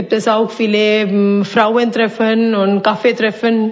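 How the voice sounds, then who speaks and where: Against noticeable background noise, a woman with an Indian accent speaks in a fairly high pitch. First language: Indian language (speaking German). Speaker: immigrant mother. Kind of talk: testimony.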